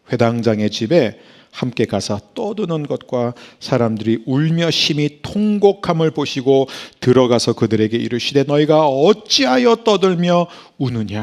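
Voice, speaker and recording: Middle-aged man, pastor; raspy, gravelly tone, preaches with sudden hushes and loud, emphatic climaxes. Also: medium pitch. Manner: dramatic, swings from hushed whispers to loud emphatic bursts. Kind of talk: sermon.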